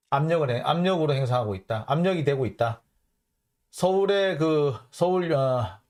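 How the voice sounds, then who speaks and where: A man hosting a political commentary show, reading out foreign news and mocking it in an animated way. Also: a little high. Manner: animated, mocking, acts out blunt quotes. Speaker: host of a political commentary channel.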